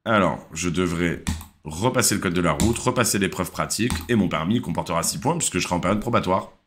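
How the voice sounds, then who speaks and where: Chatty young French man, low voice. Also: fast talker, a little hiss or hum. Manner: relaxed, chatty, full of hesitations. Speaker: driving school live host. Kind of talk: casual live quiz revision.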